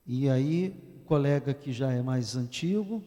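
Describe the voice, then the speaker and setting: A man's voice: medium pitch, expressive, measured pace, mellow. A man preaching a sermon as pastor, joking with the congregation and leading call-and-response. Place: church hall. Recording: long church-hall reverb.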